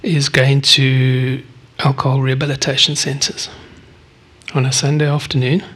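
A man in his fifties from South Africa, preaching a sermon and sharing a personal testimony in an earnest, vulnerable way with frequent pauses. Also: medium pitch, little pitch movement, a bit bright, breathy edge. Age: 50s. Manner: earnest, vulnerable, often pausing.

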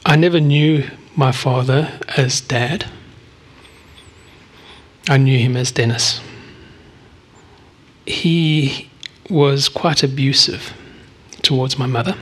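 A man in his fifties from South Africa, preaching a sermon and sharing a personal testimony in an earnest, vulnerable way with frequent pauses. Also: medium pitch, fairly bright tone, breathy edge. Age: 50s. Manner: earnest, vulnerable, often pausing.

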